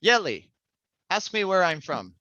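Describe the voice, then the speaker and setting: A man from Mexico hosting a spoken English class as a language trainer, giving deliberate, instructive prompts. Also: sits high, sing-song, pushed and bright, no room sound, lo-fi sound. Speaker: language trainer, podcast host.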